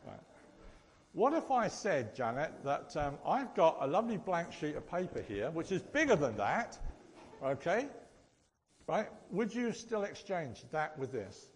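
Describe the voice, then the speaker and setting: Animated Suffolk man preaching in a hall. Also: fairly high pitch, unhurried. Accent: Suffolk English. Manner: conversational, questioning, often checks with listeners. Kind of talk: informal teaching sermon to an audience. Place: large echoing hall, speaking to a group. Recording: reverberant hall.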